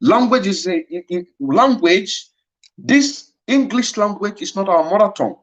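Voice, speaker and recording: Expressive and high-voiced, a man with a Nigerian Igbo accent gives an impassioned lecture at a moderate pace, driving points home by repeating phrases. It's a livestreamed address with dull, lo-fi sound.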